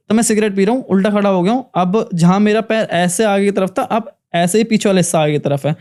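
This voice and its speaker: A man's voice: high voice, dark tone, clean tone. A young man earnestly telling a personal paranormal story in a podcast interview, recounting events in vivid detail. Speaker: paranormal investigator guest.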